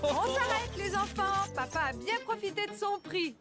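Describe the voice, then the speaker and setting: An actress voicing a gentle, inventive cartoon mother who encourages her child. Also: very high voice, lively intonation, normal speed, over loud music. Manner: soft, encouraging.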